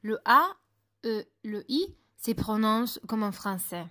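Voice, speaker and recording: Woman, language teacher, unhurried careful delivery, dry close recording. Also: on the high side, very animated, pushed and bright, no echo. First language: Italian. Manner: deliberate, spells and repeats words with French translations. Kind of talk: slow, careful pronunciation lesson.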